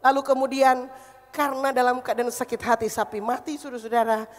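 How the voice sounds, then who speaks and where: A woman's voice: a little high, little pitch movement, brisk, in a large hall, faint music behind. A woman pastor with a Manado accent preaching a sermon, emphatic and calling the congregation to repeat phrases after her. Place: church hall.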